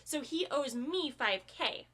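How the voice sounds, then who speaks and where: A woman doing a gullible younger sister, rambling, foul-mouthed, bright high voice. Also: expressive, slow pace, heavily acted. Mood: defensive. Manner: rambling, swears a lot. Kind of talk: comedic audio drama.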